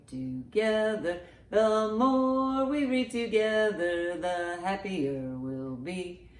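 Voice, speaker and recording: A woman hosting a children's storytime in an animated, encouraging, sing-song way, with rhymes and picture-book reading. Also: lowish voice. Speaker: library storytime host. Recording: roomy, echoey indoor sound.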